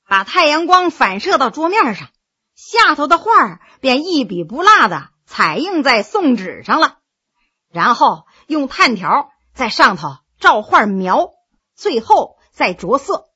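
A woman's voice: sits high, bright, forceful tone, lo-fi sound, full character voice. A woman voicing a sly, obsequious male court official and knowing connoisseur in a dramatized historical story. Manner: exclamatory, servile, knowing.

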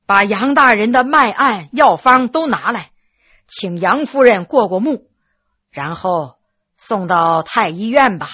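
A woman voicing a scheming male court physician who speaks in a lowered, sighing voice. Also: lively intonation, unhurried, a bit bright, husky, no echo, highs cut off. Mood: calm. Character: scheming foreign court physician, man, evasive.

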